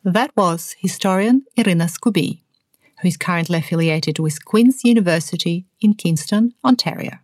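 A woman from Ukraine hosting a podcast, narrating in a calm, measured scripted way. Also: fairly low pitch, dry recording, clean studio sound. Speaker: podcast host and applied linguist.

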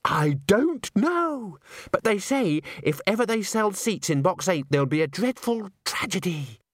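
A man's voice: high voice, very animated, measured pace, no room sound, voice pushed up, full character voice. A man voicing a giddy young woman of the stage in a storybook, gushing and trilling in a theatrical, romantic manner. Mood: gushing, grand. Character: giddy, breathless young female stage singer, grandly romantic.

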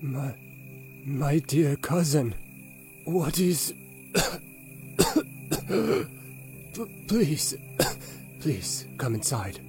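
A man's voice: on the high side, expressive, very slow, long pauses, darkish tone, faint music behind, voice pushed up, heavily acted. A man voicing a frail, blind, dying old man who wheezes and coughs as he talks. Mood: feeble. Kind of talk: storybook narration.

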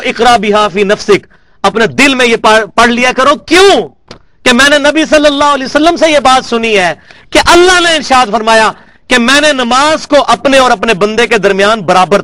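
A man's voice: very high voice, sharp tone, no room sound. A man from Pakistan giving a religious lecture, emphatic, repeating key words for stress. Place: lecture hall at a research academy.

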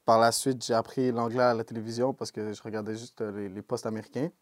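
A young man with a Québécois French accent, a rapper answering interview questions in a relaxed way and dropping English slang. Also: mid-range voice, fast, slight background noise. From Quebec, Canada. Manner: laid-back, peppered with English slang like "yo" and "bro". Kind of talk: casual interview talk.

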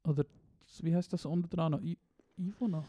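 Fast-talking Swiss German man, rambling. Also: fairly high pitch, steady tone, mellow, dry recording, studio quality. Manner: rambling storyteller, laughs often, trails off mid-sentence. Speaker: podcast co-host. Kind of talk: casual chat.

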